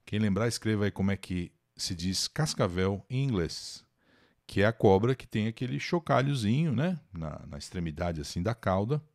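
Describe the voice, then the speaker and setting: A low-pitched man from Brazil runs a live English lesson. His voice rises and falls a lot as he reads each passage and then explains it. He encourages his viewers and thanks them by name as their answers arrive. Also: normal speed. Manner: lively, encouraging teacher voice. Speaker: English teacher.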